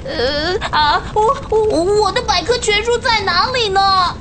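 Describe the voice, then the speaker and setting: A woman's voice: very high-pitched, measured pace, noisy background. A woman voicing a small, bookish, fussy ant in a children's radio drama, nervous and hesitant with stammers. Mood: anxious.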